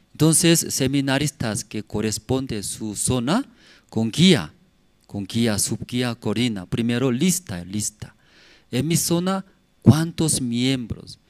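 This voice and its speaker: A man's voice: medium pitch, dry recording. A male pastor, preaching a sermon in short phrases that he asks and answers himself. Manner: asks and answers his own questions, acts out sounds. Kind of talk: prayer service sermon. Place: church.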